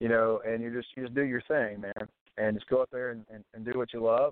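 Delivered at a very fast pace, the speech comes in an American accent with monotone, flat intonation. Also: man. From US South, Kingsport, Tennessee. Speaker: country singer-songwriter. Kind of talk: interview.

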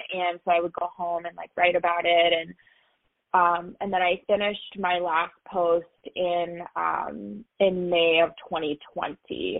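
A woman with an Upper Midwest accent speaks at a very slow pace. Her pitch is fairly low and her intonation fairly even. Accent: Upper Midwest American. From Minnesota, Duluth. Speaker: astrologer and author. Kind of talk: interview. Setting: radio show.

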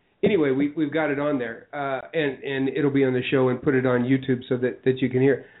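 A man talks at a fairly quick pace and a medium pitch, with hardly any pauses. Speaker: radio show host. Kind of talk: casual live radio show banter with jokes and DJ-style patter. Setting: live internet radio show, studio. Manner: animated, jokey, fast-talking, teasing and laughing.

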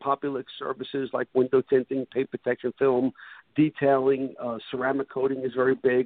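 A man speaks with a slight Brooklyn accent. His intonation is monotone and flat. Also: medium pitch for a man, moderate pace. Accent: slight Brooklyn New York. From Brooklyn, New York. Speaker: franchise company CEO. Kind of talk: interview.

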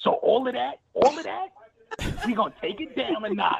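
Featuring very wide pitch swings, a man with a New York accent speaks at an extremely high pitch. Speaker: radio show co-host. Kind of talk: casual slang, profane.

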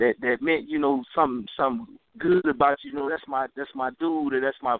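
At a moderate pace, a man with an American accent speaks in a plain, everyday voice, fairly high in pitch. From US South. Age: 40s. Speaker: social worker. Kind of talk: casual chat.

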